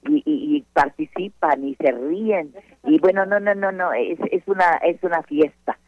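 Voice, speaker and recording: A Mexican woman, a stage actress, speaks in a casual interview with bubbling enthusiasm. She keeps doubling back on her words and dropping quick "no, no, no" asides. The sound is dry and dull, like a lo-fi line. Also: on the low side, dry recording. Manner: effusive, repeats words, many "no, no, no" asides.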